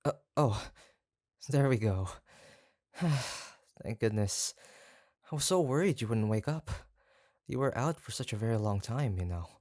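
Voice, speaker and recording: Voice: mid-range voice, lively intonation, unhurried, long pauses, dry recording, studio quality, lightly acted. A performer playing an obsessive, lovestruck yandere kidnapper in a roleplay audio drama, hesitant and rambling as they dote on the listener. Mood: relieved, doting. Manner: hesitant, rambling, soft-spoken menace with nervous chuckles.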